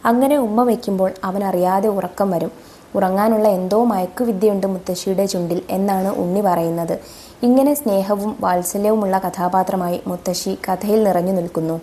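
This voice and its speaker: A woman's voice: medium pitch, dark tone, a little hiss or hum. A woman teacher who goes through exam questions and reads model answers aloud to children. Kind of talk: exam revision lesson.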